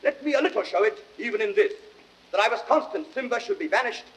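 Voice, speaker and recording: An actor playing a proud, unbending, imperious Roman ruler with grandiose declamation in a 1930s radio Shakespeare style. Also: male voice, high-pitched, expressive, fast, a bit bright, distant mic, poor audio. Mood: haughty, unyielding. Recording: crowd clamour on old radio recording.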